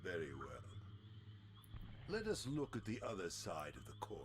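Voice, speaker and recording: A man's voice: sits low, huge pitch swings, normal speed, slight background noise. An actor playing an ancient, world-weary and haughty male vampire in a video game, sardonic, bitter and theatrical. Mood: grave, interrogating. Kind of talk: video game cutscene acting.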